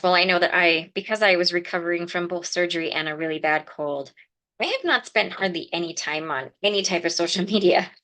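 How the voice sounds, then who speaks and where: With a lowish, fairly bright voice, a woman hosts a card-making livestream, demonstrating casually and chatting with viewers by name. A mild cold leaves her a little sniffly as she explains each step.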